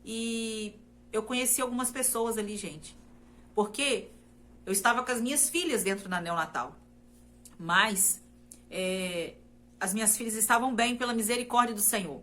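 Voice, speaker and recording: A Brazilian woman shares her personal faith testimony earnestly and repetitively, often addressing her listeners directly. Her voice is on the high side, pushed and bright, at a normal speed.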